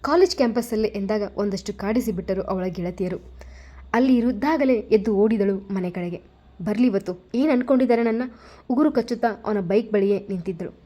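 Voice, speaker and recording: A woman narrates a scripted story at an even pace and a middling pitch. Her voice is dark and warm, never sharp. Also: brisk, lo-fi sound.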